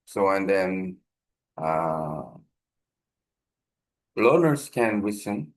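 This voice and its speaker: A native Korean speaker with a Korean accent informally explains a language practice project in halting, non-fluent English, often searching for words. His voice is deep, with big swings in pitch.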